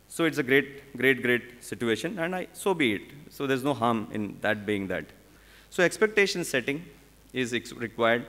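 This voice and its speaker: A man in his forties with an Indian English accent, speaking at a conference podium in a halting way, with many fillers and restarts. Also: medium pitch, a bit bright. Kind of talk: conference panel talk. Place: large conference hall on stage. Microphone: podium microphone. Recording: long hall reverb.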